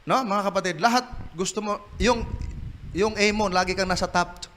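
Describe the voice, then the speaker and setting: A man preaching a church sermon, his voice high in pitch. It sounds bright and forceful. He tells stories in a lively way and rises to loud, emphatic peaks. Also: normal speed, slight background noise. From Philippines.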